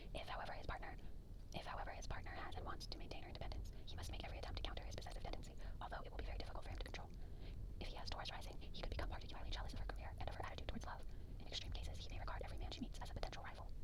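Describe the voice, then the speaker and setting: The speaker whispers at a very fast pace. Background noise is noticeable. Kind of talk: ASMR whisper reading of a vintage book. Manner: whispered.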